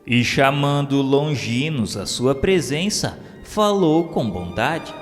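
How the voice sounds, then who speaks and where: Guy narrating a religious radio play, solemn and formal, mid-to-high voice, reverby with music under it. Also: animated, slow. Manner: formal, solemn, declamatory storytelling.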